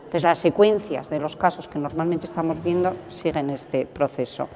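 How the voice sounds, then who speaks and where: A woman's voice: sits low, moderate pace, mellow, a little hiss or hum. A woman activist talking reflectively in an interview, often restarting her phrases. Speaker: activist, organizer. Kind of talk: interview talk.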